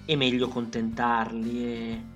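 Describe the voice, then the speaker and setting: A man reading aloud and voicing a crafty middle-aged innkeeper who coaxes in a gentle, persuasive way. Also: mid-range voice, lively intonation, fairly quick, faint music behind, lightly acted. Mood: coaxing. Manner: coaxing and gentle, then firm.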